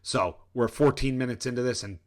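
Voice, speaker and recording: Worked up middle-aged guy preaching at the camera, intense and direct, mid-pitch voice. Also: fairly quick, darkish tone. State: worked up and sweating. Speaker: life coach and channel host. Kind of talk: motivational rant to camera.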